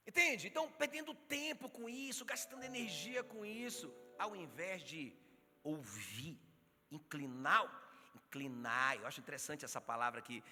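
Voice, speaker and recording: Male Brazilian pastor, animated sermon delivery, bright voice, swings all over in pitch, long church-hall reverb. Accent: Brazilian Portuguese. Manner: animated preaching, acts out quotes, calls on the congregation. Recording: reverberant church hall, faint music behind.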